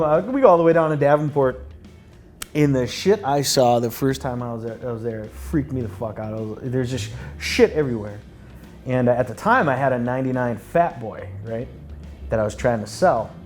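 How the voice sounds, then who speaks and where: A man's voice: medium pitch, darkish tone. A man in his forties telling a long, profane, rambling story in a casual chat, full of fillers and restarts.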